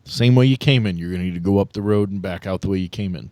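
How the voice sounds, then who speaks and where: Low-voiced man running a tabletop game. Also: fast, warm tone, no echo. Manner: casual, explanatory, joking asides. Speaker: game master. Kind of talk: improvised narration of a tabletop role-playing game.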